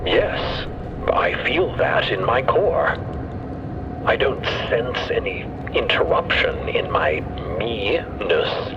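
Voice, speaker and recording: A man playing a thoughtful scientist whose mind lives in a mechanical body, speaking deliberately and analytically in an audio drama. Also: medium pitch, big pitch swings. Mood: reflective. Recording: dull band-limited sound with background noise.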